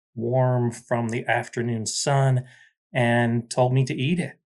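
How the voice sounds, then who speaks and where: Male speech in an American accent over a quiet background. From US Colorado. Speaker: gardener and horticulture teacher. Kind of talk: casual interview chat.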